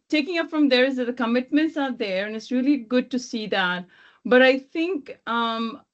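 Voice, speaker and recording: A woman from Thailand speaking off the cuff as a webinar panelist, haltingly, often rephrasing and circling back. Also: a little high. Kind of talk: extemporaneous panel remarks. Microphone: video call. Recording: dull lo-fi video call.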